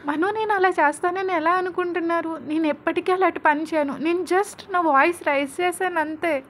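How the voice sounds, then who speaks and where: A woman's voice: very high voice, steady tone, a little fast, a bit bright, slight background noise, pitched above the performer's own voice. A woman voicing a defiant young wife and stepmother who argues back indignantly. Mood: defensive. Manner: pleading, indignant.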